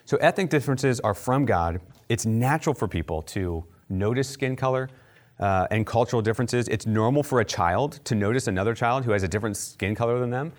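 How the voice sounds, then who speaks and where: A man's voice: mid-range voice, a little fast. A man from near Baltimore giving a conversational Christian teaching talk, with fillers and light asides. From United States, near Baltimore. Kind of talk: teaching talk on faith and culture.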